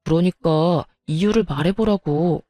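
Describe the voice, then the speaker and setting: A woman's voice: on the low side, a little slow, dark tone, dry recording, soft background music, pitched below the performer's own voice, natural voice. A woman voicing a heated husband who demands answers from his mother. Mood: exasperated. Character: angry young husband confronting his mother.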